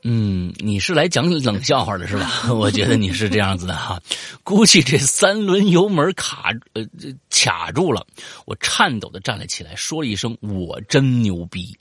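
A man's voice: medium pitch, normal speed, husky, dry recording, clean studio sound. A man, casually telling a listener's story and chatting about it, swearing and rambling with lots of fillers. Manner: animated, swears, jumps into voices for quoted lines; rambling with frequent fillers and repeats. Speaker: host reading out a listener's story. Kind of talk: casual storytelling with banter and commentary.

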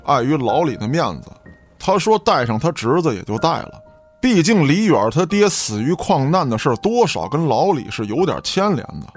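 A man narrating a scripted audio drama as an expressive, colloquial storyteller. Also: mid-range voice. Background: light background music.

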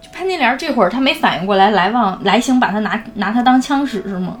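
A woman's voice: on the high side, lively intonation, quick pace, soft background music. A woman co-hosting a casual talk, chiming in with short remarks and agreeing sounds. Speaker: co-host. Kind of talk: casual chat, brief interjections.

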